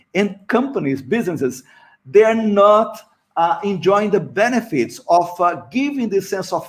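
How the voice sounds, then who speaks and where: Slowish in pace, a man speaks at a high pitch with lively intonation. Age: 60s. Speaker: business consultant. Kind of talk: webinar panel discussion. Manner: animated.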